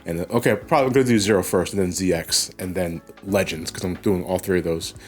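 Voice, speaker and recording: A man's voice: deep voice, fast talker, faint music behind. A man hosting his own video channel, speaking in a loose, casual chat full of swearing and stumbling restarts while congested with a cold, recorded at home. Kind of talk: casual update chat to viewers. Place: at home, indoors.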